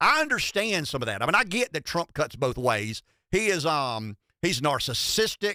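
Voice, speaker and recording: A man with a slight Southern accent, fairly high pitch, a bright, sharp tone and very wide pitch swings, in a very clean, silent recording with a dry, close sound and no echo. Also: moderate pace. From US South, rural South Carolina (Pamplico). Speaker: podcast host, former politician. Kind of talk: political commentary monologue. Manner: halting, many filler words.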